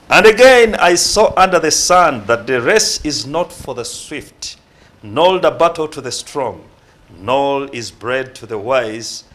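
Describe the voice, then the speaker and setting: A man's voice: fairly high pitch, a bit bright. A man hosts a Christian talk show, moving between Luganda and English and speaking in a preacherly way. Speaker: host.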